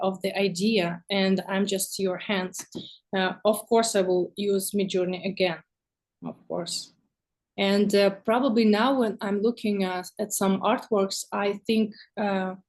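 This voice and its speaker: Halting woman, non-native English speaker. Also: medium pitch, a little mellow. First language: not English. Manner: halting, searching for words. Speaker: interview guest, visual artist. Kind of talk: casual interview chat about work.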